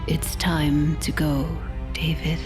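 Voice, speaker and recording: An actress playing an admiral's caring, perceptive middle-aged wife in an audio drama, gentle, composed and coaxing. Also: female voice, low-pitched, little pitch movement, slow. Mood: resigned. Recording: faint music under the voice.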